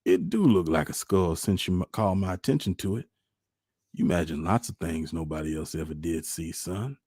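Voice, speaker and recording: This storybook reading features a man voicing a wistful, gentle country father whose rural Southern accent and plainspoken, folksy manner come through at normal speed. His voice sits low, and the studio recording is clean without echo.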